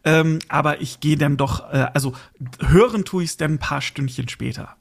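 A man's voice: fairly high pitch, normal speed, vocal fry. A man chatting casually as a podcast guest, modest and good-humoured in his way of talking. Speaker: podcast guest, audio drama expert. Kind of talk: casual chat.

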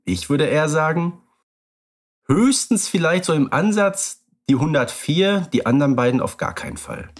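A man's voice: on the high side, animated, moderate pace. A man co-hosting a podcast, chatting casually and readily agreeing with his partner. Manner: agreeable, affirming, conversational. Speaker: podcast co-host. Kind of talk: casual chat about radio plays.

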